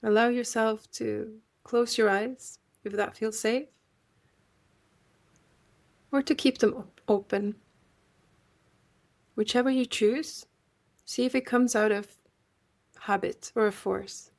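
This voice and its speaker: A woman leading a guided meditation in a gentle, unhurried way, leaving long pauses. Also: a little high, steady tone, vocal fry.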